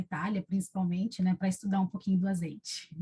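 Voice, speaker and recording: This woman has a dark, mellow tone, a medium pitch, and a somewhat breathy sound. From interior of São Paulo state, Brazil. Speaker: nutrition professor. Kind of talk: podcast interview. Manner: hesitant, many fillers.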